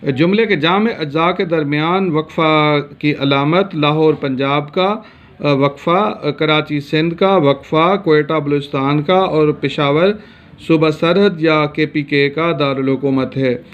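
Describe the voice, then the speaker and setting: A man from Pakistan gives a grammar lesson with a somewhat high voice. He explains steadily and fills pauses with hesitation sounds. The recording is dull and lo-fi. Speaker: teacher.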